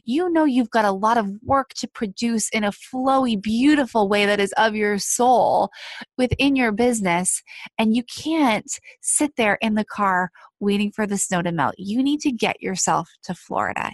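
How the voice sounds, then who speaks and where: A woman's voice: mid-range voice, no room sound. A woman life coach with a slightly nasal voice, giving an encouraging motivational talk to listeners she calls friends. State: a little nasal. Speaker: life coach and podcast host.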